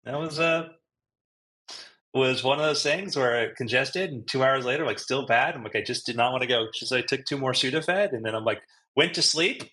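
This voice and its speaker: Man, podcast co-host, bright, forward tone, dry and laid-back. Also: mid-range voice, moderate pace. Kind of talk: casual chat.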